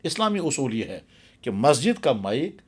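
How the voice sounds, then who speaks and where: A man's voice: mid-range voice, sing-song, moderate pace, slightly rough. A man speaking as a Muslim cleric, explaining religious guidance earnestly and emphatically, repeating phrases for stress. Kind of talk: explanatory religious talk in an interview.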